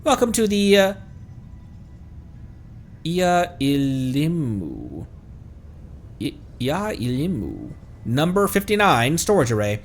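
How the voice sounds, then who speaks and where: A man voicing a malfunctioning ancient machine system in a game, reading formal, measured announcements. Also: fairly high pitch, huge pitch swings, slight background noise, exaggerated voice. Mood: formal, apologetic.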